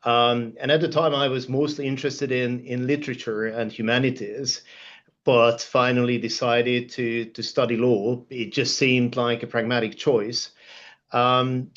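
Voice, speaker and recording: A middle-aged Hungarian-accented man speaks on a professional panel in a formal, measured way with frequent hesitations. His mid-range voice stays very flat in intonation. The sound is somewhat dull and muffled. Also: medium pitch. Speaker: panelist, law firm partner. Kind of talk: panel discussion, career account.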